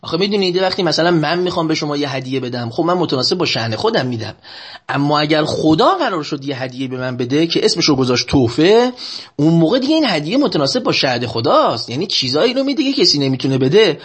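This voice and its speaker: Male preacher, husky and high, very lively pitch. Chants prayer lines slowly, explains them faster, keeps urging listeners to pay attention. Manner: slow, drawn-out chanting of Arabic lines, then quicker plain explanation. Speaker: religious lecturer. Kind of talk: sermon explaining Arabic prayers.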